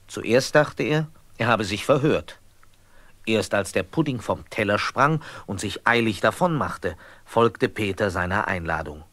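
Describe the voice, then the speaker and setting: A man narrating a scripted children's story as an expressive storyteller. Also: lowish voice, measured pace, dry recording.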